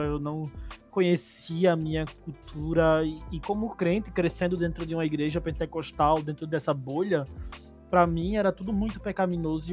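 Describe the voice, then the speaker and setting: Animated Paraíba-accented Brazilian man. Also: fairly high pitch. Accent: Paraíba Northeastern Brazilian. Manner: animated storytelling, laughs often. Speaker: podcast co-host. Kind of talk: casual chat.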